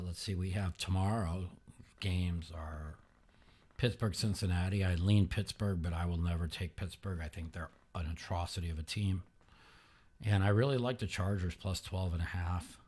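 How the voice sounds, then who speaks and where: A man hosting a podcast in casual sports betting talk, sluggish and halting, with many fillers and restarts, sometimes speaking quietly. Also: deep voice, steady tone, breathy edge. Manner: talks quietly at times. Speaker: podcast host.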